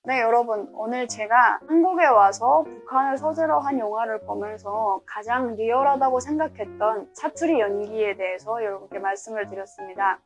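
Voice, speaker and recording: Earnest, higher-voiced woman from Pyongyang. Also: moderate pace, hardly any pauses, soft background music, poor audio. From North Korea (Pyongyang). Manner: earnest, enthusiastic. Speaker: YouTuber. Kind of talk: talking-head commentary vlog.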